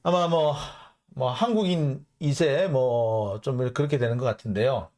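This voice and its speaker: A man hosting a political commentary show, reading out foreign news and mocking it in an animated way. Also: mid-range voice, unhurried. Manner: animated, mocking, acts out blunt quotes. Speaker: host of a political commentary channel.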